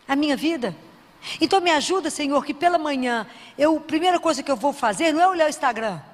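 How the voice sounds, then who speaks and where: A woman preaching a sermon who quizzes the audience and drops to a soft, low voice for prayers. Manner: asks the audience questions and answers them. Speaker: Christian preacher. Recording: long hall reverb.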